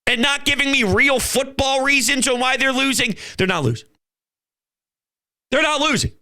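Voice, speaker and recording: A man hosts his own football fan channel, commenting in an emphatic, fired-up way and swearing now and then. His voice is extremely high-pitched, a little fast, bright, and forceful.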